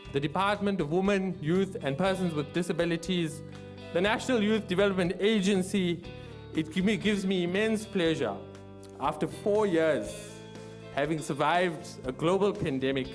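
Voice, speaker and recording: High-pitched man giving a formal welcome. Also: normal speed, faint music behind. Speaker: government official welcoming delegates.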